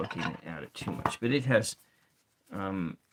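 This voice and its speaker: At a moderate pace, a soft-spoken voice mumbles. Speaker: tarot reader. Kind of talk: casual ASMR talk about tarot decks. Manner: soft-spoken, mumbling.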